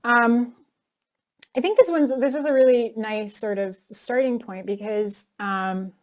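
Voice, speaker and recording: A woman's voice: fairly high pitch, a little slow, darkish tone. A woman in an interview, telling her own story candidly and reflectively, often dropping in "like" and "you know". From North America. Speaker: actress interviewee.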